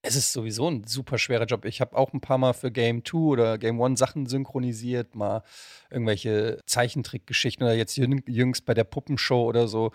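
A man's voice: mid-range voice, fairly even intonation, fairly quick, no room sound, studio quality. A middle-aged man hosting a casual interview in speech, rambling and often interrupting himself in a colloquial way. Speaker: podcast host and interviewer.

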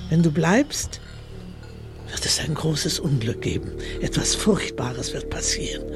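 An actress voicing an old woman who sees grave warnings in her dreams, speaking in a hushed, held-back way. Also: on the low side. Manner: hushed, restrained. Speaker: radio drama actress.

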